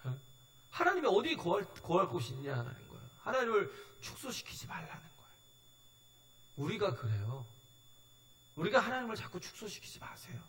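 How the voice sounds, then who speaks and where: A man preaching with a high, lively voice that swings widely up and down. He keeps asking the congregation for a response and slips into short acted-out exchanges as he makes his points. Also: gravelly. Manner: animated preaching, often asks the congregation "예?"; acts out short quoted dialogue within the sermon. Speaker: pastor. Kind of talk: sermon.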